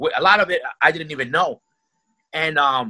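Speaking in a New York accent, a man has a bright, sharp tone. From New York City. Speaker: hardcore band singer. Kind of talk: casual chat. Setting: remote call.

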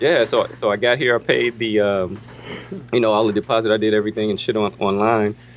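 Speaking very fast with an American accent and fairly even intonation, the voice comes over noticeable background noise. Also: man, fairly low pitch for a man. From Gary, Indiana (US Midwest). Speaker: entrepreneur. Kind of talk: casual chat. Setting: phone call.

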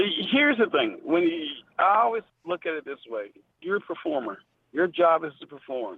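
A high-pitched man's voice in a Memphis accent, with very wide pitch swings and a moderate pace. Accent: Southern US (Memphis). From Memphis, Tennessee, US South. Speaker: professional wrestler. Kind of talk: interview. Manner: halting.

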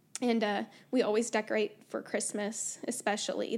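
In a normal speaking voice, a woman with an American accent talks at a moderate pace and a fairly high pitch on a very clean recording with a silent background. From Oklahoma, US. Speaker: stay-at-home mom. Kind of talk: testimony.

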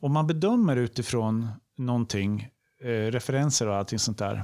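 A man's medium-pitched voice with a dark, mellow tone and ordinary pitch variation, at a moderate pace in a very clean recording with a silent background. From Sweden, Gävle. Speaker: orchestra musician, podcast co-host. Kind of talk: casual chat.

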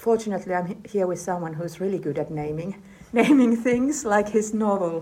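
With a Finnish accent, a woman talks at a moderate pace and medium pitch, her intonation lively. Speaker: podcast host. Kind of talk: interview.

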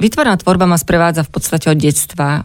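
A woman with an unremarkable speaking voice talks at a fairly quick pace and a fairly low pitch, with ordinary pitch variation. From southern Slovakia, Rimavská Sobota. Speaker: handmade craft artist. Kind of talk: radio interview.

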